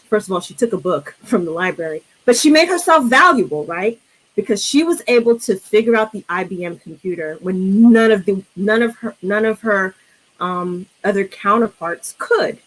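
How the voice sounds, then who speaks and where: A woman's voice: mid-range voice, low-quality recording. Reflective New York woman. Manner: reflective, hesitant with many fillers and restarts. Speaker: guest film discussant. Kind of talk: casual film discussion.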